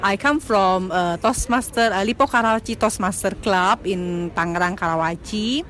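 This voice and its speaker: A woman's voice: mid-range voice, moderate pace, slight background noise. Passionate woman. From Indonesia. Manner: warm, passionate, with hesitant fillers. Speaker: convention attendee.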